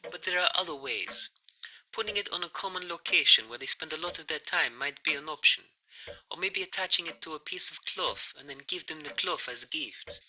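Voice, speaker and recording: An actor playing a courteous, earnest Russian researcher in an audio drama, with formal, careful phrasing. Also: male voice, on the high side, sharp tone, poor audio.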